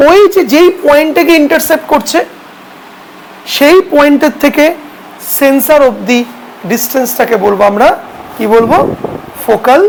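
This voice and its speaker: A woman with a Bengali accent and a high voice teaches a photography class. She keeps asking the students questions and then answers them herself. A faint hiss of noise sits under her voice. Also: darkish tone, rough recording. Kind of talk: classroom lesson.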